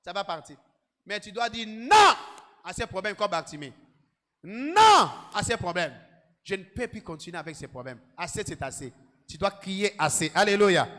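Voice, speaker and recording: A man, a pastor leading prayer and preaching with repetitive shouted commands in a large church hall. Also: high voice, big pitch swings, moderate pace. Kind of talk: sermon and led prayer.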